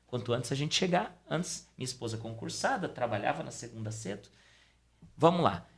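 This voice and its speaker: A man's voice: moderate pace, creaky. A middle-aged man, a podcast guest telling a personal story casually and acting out the dialogue. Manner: animated storytelling, acting out dialogue with pitch swings. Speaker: podcast guest, Umbanda priest.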